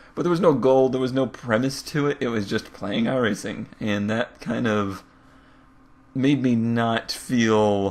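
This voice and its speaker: With a plain, everyday voice, a man talks at a fairly slow pace, his medium pitch showing ordinary variation. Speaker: gaming YouTuber. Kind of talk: casual talk to camera. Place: home room.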